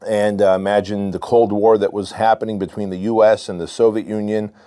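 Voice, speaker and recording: A man's voice: lowish voice, flat delivery, fairly quick, warm tone. A man in his forties from Armenia, a podcast guest telling his story in a candid, loose way. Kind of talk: casual storytelling.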